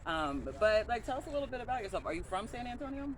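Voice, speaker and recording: A man's voice: extremely high pitch, very animated, quick pace. A man in his thirties from Virginia hosting a casual interview outdoors in a park, upbeat and eager, often saying "that's what's up". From Virginia, USA. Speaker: host. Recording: outdoor park with crowd noise.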